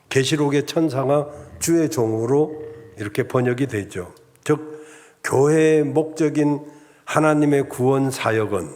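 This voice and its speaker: A male pastor preaching a Sunday sermon in a measured, enumerating style, often addressing the congregation directly. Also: mid-range voice, darkish tone. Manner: measured preaching with enumerated points and rhetorical asides. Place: church sanctuary.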